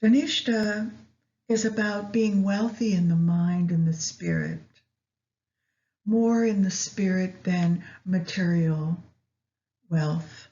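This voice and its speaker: A woman leading a guided meditation in a measured way, pausing between short phrases. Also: lowish voice, mellow, highs cut off. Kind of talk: guided meditation with astrology commentary.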